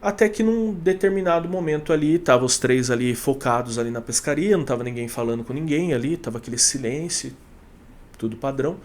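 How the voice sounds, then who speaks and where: A man's voice: medium pitch, a little fast. A man hosting a channel, telling supernatural fishing tales in a loose conversational way with many fillers and restarts. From Brazil. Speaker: storyteller host of a channel. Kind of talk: casual storytelling of supernatural tales.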